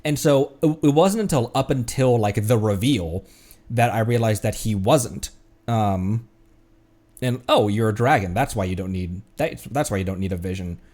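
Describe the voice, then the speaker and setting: A man's voice: on the low side, normal speed, darkish tone. A man streaming a game with casual, musing commentary, often repeating phrases as he works through his thoughts.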